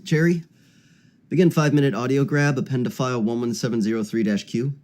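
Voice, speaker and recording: A man's voice: medium pitch, steady tone, fast, a little mellow, slight background noise, lightly acted. An actor playing a man who tends and tests an android, speaking in a plain, clipped, conversational way. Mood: commanding. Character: casual man testing and tending his android.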